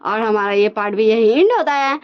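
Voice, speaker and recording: A woman's voice: fairly high pitch, a little fast, smooth. A woman casually retelling her own fan fiction story in a chatty, informal way. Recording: dull lo-fi recording.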